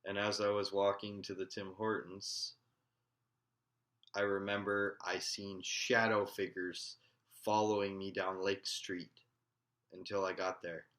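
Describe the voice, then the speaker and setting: A man telling a personal story in a halting, casual way. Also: fairly low pitch, fairly bright tone. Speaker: vlogger.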